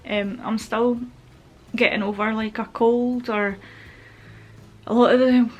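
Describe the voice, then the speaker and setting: A woman's voice: fairly high pitch, steady tone, takes it slowly, muffled recording, slight background noise. A young woman giving a candid, meandering personal update to camera at home, a little stuffy-nosed from a cold. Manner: open, meandering, with frequent fillers. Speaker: vlogger. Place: at home, with pet rabbits nearby.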